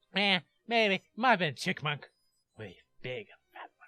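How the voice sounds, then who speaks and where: This man puts on a character voice pitched high for a man. His pitch swings very widely. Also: moderate pace, dry, close sound with no echo. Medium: game stream.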